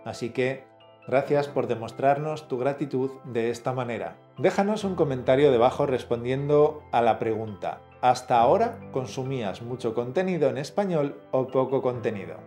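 Mellow-voiced man teaching a lesson. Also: medium pitch, animated, normal speed, faint music behind. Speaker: language teacher, co-host. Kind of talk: scripted language lesson.

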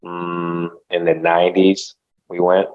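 A man from the United States whose first language is Haitian Creole, speaking as a podcast guest in a measured, reflective way. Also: sits low, completely flat delivery, narrow, tinny audio. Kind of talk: casual interview chat.

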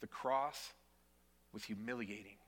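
A male pastor preaching a sermon in a church. He speaks emphatically, repeats words as he goes, and drops to quiet, weighty lines. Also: fairly low pitch, unhurried, in a large hall. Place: church sanctuary.

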